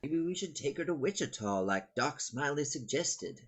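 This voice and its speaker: A woman's voice: low-pitched, animated, moderate pace, slight background noise. A woman playing a worried, middle-aged small-town father in a dramatic table read. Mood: grave.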